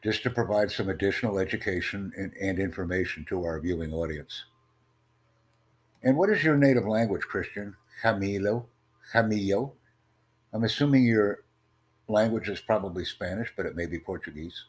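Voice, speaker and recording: A man hosting an online voice chat, talking in a formal, measured, promotional way. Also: lowish voice, animated. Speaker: host of online conversation. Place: in the United States.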